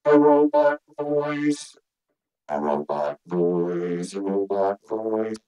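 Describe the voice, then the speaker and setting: A man speaking through a vocoder, his voice turned into a slow, drawn-out synthesized robot voice. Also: expressive, dark tone, clean tone, dry recording, dull audio, faint music behind. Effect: vocoder robot voice, synthesized pitch. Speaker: synthesizer demo host. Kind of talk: talking through a vocoder, counting and repeating phrases.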